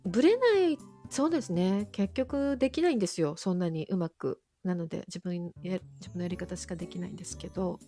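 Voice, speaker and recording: A woman with a slightly low voice chats as a guest on a casual interview show, with music playing behind her. She is polite and self-deprecating, talking in a loose conversational way. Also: a little fast, few pauses, dark tone. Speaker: podcast guest, audio streamer.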